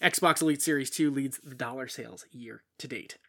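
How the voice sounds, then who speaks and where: Male co-host, relaxed and joking, with a bright tone at a middling pitch. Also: moderate pace. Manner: easygoing, jokey. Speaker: podcast co-host. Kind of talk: casual news chat.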